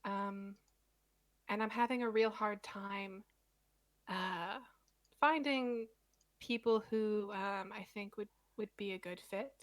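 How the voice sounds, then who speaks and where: Woman playing a shy, halting toy maker. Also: mid-range voice, natural voice. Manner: halting, soft, full of pauses and fillers. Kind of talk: tabletop role-play in character.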